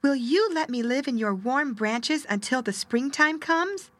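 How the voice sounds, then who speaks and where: A woman's voice: high voice, expressive, a little slow, a bit bright, dry recording, pitched above the performer's own voice. A woman voicing a small injured male bird who pleads for shelter in a storybook reading. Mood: pleading.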